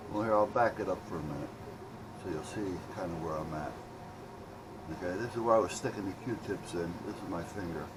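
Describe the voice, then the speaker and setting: A man's voice: low-pitched, noisy background. A middle-aged or older man rambling casually and thinking aloud as he films an unscripted repair video. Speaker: electronics repair hobbyist showing his work.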